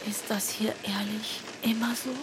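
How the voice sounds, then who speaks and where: A woman's voice: mid-range voice, flat delivery, moderate pace, background noise, close to an everyday voice. An actress in a radio play voicing a girlishly eager, playful Hasidic wife. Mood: wondering, eager.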